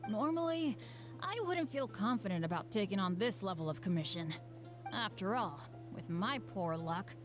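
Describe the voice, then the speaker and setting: A woman's voice: mid-range voice, close to an everyday voice. A woman voicing an eager, unlucky, self-deprecating teenage boy adventurer in a video game, with an earnest, boyish, hesitant delivery. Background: game music.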